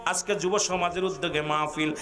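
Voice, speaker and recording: A male preacher telling a story in a sermon, dropping low, then shouting exhortations at a gathering and chanting Quranic verses in a melodic tone. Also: steady tone, a little fast. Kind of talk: Bengali waz sermon, storytelling with chanted Arabic. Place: outdoor religious gathering.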